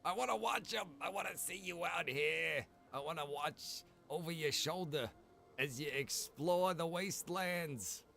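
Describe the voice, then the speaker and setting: A man's voice: a little high, unhurried, creaky, bright, forceful tone. A man livestreaming a game, chatting casually and playfully with viewers in slangy talk. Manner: playful, slangy, addresses viewers as bro and dude. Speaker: live streamer. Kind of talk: casual livestream chat while gaming. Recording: music behind the voice. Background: music.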